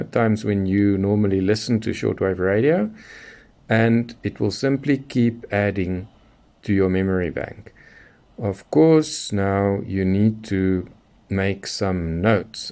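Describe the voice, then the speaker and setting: A man's voice: fairly low pitch, darkish tone. A middle-aged man giving a casual hands-on tutorial, explaining things step by step as a gadget reviewer. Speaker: radio reviewer demonstrating features.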